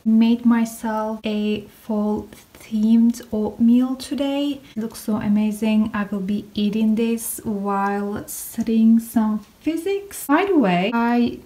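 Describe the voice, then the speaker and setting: A young woman whose first language is Turkish, speaking English in a relaxed, casual vlog voice-over. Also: a little high, slow pace, hardly any pauses. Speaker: vlogger.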